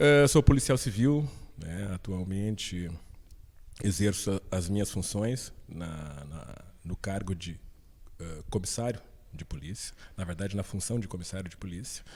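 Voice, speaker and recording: A man speaking at a fairly slow pace, with ordinary pitch variation. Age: 50s. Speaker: police officer, council candidate. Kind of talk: interview. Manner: halting, many fillers.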